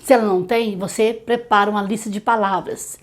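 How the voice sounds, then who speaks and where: Brazilian woman teacher, middle-aged, medium pitch, talks straight to mothers, slows to sound out words. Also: steady tone. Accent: Brazilian Portuguese. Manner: warm direct advice to mothers, slow syllable-by-syllable demonstrations. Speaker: literacy teacher. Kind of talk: tutorial talking to parents.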